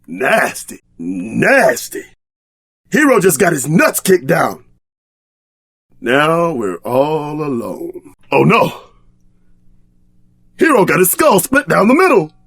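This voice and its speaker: A man's voice: on the high side, wildly swooping pitch, slow pace, pauses often, fairly bright tone, breathy edge, no room sound, exaggerated voice. An actor voicing a brash, trash-talking tough-guy sidekick in a video game, bombastic and streetwise in exaggerated combat barks. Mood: disgusted, gloomy.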